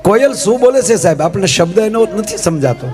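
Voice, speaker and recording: A man's voice: sits high, expressive, a little fast, over music. A man telling comic folk stories on stage in a chatty way, asking the audience rhetorical questions and calling them "sir". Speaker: folk comedian and storyteller. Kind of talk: live stage comic storytelling.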